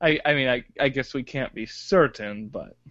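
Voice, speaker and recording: A man's voice: mid-range voice, normal speed, a bit bright, no echo. A man co-hosting a casual podcast, who laughs often and hesitates with "uh"s. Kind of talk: casual chat. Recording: dry, slightly dull lo-fi audio.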